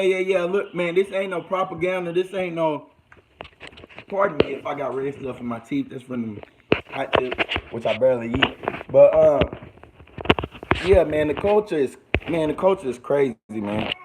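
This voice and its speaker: Young guy w a texas-california accent, livestream chat, slangy, kinda high voice, faint hiss behind. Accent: mixed Texas and California. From United States. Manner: slangy, addresses viewers as y'all. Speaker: livestream host. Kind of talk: casual livestream chat with viewers.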